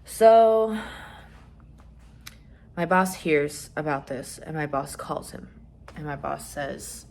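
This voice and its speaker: A young trans man chatting casually in a vlog, rambling with lots of fillers and some swearing, his voice rising when he gets excited. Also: takes it slowly, gravelly, pauses often, slight background noise. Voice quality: voice still fairly high, rising when excited. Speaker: vlogger.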